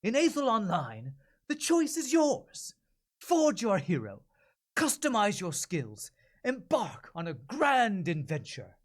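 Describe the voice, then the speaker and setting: A man voicing a heroic, excited announcer for an epic fantasy game trailer, pompous and theatrical. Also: sits high, slow pace, full character voice. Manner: pompous, sweeping, theatrical delivery. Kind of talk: dramatic video game trailer narration.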